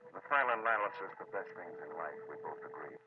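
A man's voice: deep voice, lively intonation, fast. An American man acting a wry, world-weary private detective in a terse, hard-boiled 1940s radio drama style. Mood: reflective. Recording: muffled, noisy vintage radio recording.

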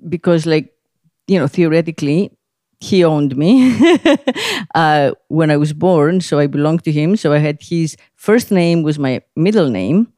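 A woman's voice: deep voice, animated, measured pace, warm tone, no room sound, clean studio sound. A middle-aged woman from Greece, whose first language is Greek, talking casually as a podcast host, rambling with many fillers and frequent laughs. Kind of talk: casual conversation.

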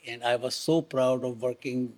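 A man's voice: mid-range voice, fairly even intonation, moderate pace, darkish tone. Older man, Hindi native, earnest. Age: 70s. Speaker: interviewee.

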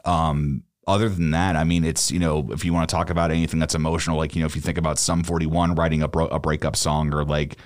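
A young man with a very low, deep voice co-hosts a casual podcast. He rambles, restarting his sentences and filling the gaps with "like" and "um". The sound is dry and close, with no room around it. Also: little pitch movement, quick pace, hardly any pauses, dry recording. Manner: rambling, many fillers and restarts. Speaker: podcast co-host.

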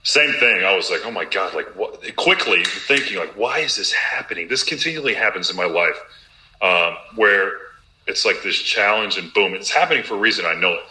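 A man's voice: low voice, expressive, pushed and bright, slight background noise. A young adult man, a professional basketball player, telling a candid and emotional story in an interview and quoting his own thoughts along the way. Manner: earnest, emotional, quick retelling with quoted self-talk. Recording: roomy echo.

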